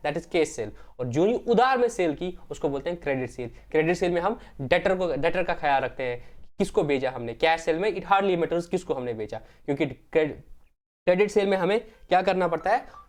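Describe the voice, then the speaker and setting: A male accounting teacher giving a classroom lecture, repeating key terms and asking and answering his own questions while addressing students as friends. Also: on the high side. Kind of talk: classroom lecture, Hindi mixed with English terms.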